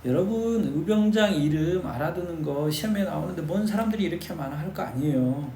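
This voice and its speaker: In an echoey room with faint noise, a man delivers a history lecture for exam preparation, addressing students emphatically and asking rhetorical questions. His voice is on the high side and warm, with lively intonation and a slightly fast pace.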